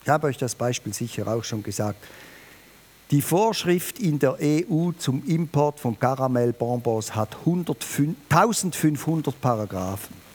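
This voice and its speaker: A man preaching a New Year sermon, emphatic and lively, speaking directly to his listeners. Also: a little slow. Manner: lively, emphatic, varies pitch and volume, addresses listeners directly.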